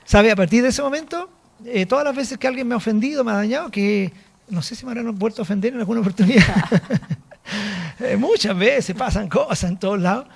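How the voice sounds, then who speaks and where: A man's voice: high voice, brisk, gravelly, slightly rough. A man preaching a sermon and telling a personal testimony, acting out the dialogue as he goes. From Chile. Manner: storytelling, animated, acts out dialogue. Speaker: apostle preaching.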